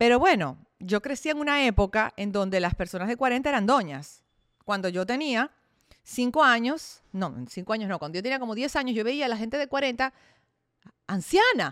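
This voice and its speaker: A woman with a fairly high pitch and an animated tone speaks at a moderate pace with lively intonation, in a very clean recording with a silent background. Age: 30s. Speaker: fitness influencer and podcast host. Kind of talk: casual monologue.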